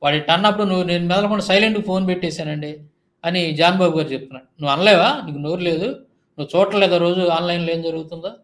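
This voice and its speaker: A man's voice: high voice, steady tone, racing, a bit bright. A man giving a heated monologue rebuttal, firing off indignant rhetorical questions. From India. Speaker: Christian YouTube commentator.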